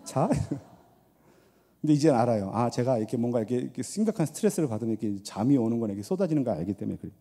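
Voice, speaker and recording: A middle-aged man preaching a sermon as pastor, swinging between loud appeals and hushed asides, with rhetorical questions and storytelling, in a church sanctuary. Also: medium pitch, lively intonation, fast. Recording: long church hall reverb.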